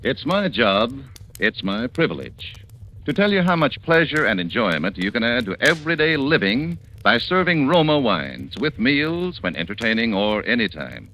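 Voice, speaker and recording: A man reading a 1940s radio commercial in a persuasive, lively salesman manner. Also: mid-range voice, normal speed, a little hiss or hum. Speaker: commercial announcer.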